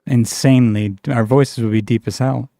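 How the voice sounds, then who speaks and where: A man in a casual stream chat. His voice sits at a middle pitch and sounds dry and close, with no echo. He keeps teasing the others and repeats his lines. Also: fairly even intonation, normal speed, creaky, dark tone. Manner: teasing, laughs often, repeats himself. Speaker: stream guest.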